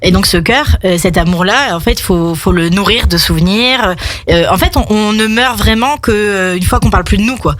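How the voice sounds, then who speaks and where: A woman's voice: mid-range voice, normal speed, a bit bright. A woman speaking as a radio guest, telling personal stories in a casual, conversational way. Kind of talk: animated personal storytelling, casual chat.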